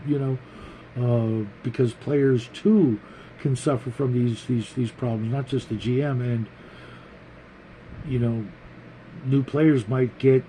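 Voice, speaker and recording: A man talking casually and unscripted like a hobby show host, rambling haltingly and repeating words as he thinks. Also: medium pitch, warm tone, a little hiss or hum, rough recording. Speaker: host of a tabletop role-playing hobby show. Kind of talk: casual unscripted opinion monologue.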